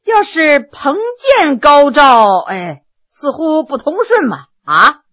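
A woman's voice: high voice, sing-song, takes it slowly, exaggerated voice. A woman voicing a brash, mocking male general who teases and laughs at his judges in a spoken storytelling. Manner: teasing, laughing, loud outbursts.

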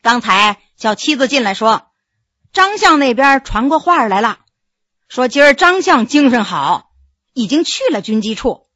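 A woman's voice: high voice, a bit bright, husky, dry recording, lo-fi sound, full character voice. A woman voicing a coquettish young noble wife who teases and chides her husband in a storybook reading. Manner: coquettish, scolding, chatty.

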